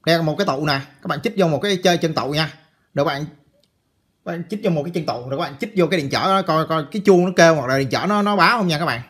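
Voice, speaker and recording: Here a chatty man teaches electronics repair, narrating a circuit board fix at his bench for an informal how-to video. He talks rapid-fire in a somewhat bright, slightly high male voice, often repeating himself and addressing the viewers directly.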